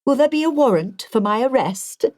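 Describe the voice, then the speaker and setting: An imperious older English lady, voiced by a female narrator, arch and commanding in an audiobook. Her clipped phrases swoop with sharp wit, recorded close and dry. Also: high-pitched, expressive, moderate pace, dry recording, voice pushed up. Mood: arch, challenging. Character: imperious, sharp-witted elderly Englishwoman, club ringleader.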